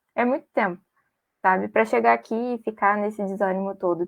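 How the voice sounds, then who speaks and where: Fairly even in intonation, a woman talks at a moderate pace in a plain, everyday voice. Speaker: former member of a student enterprise, invited speaker. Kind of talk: talk to a student group. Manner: casual.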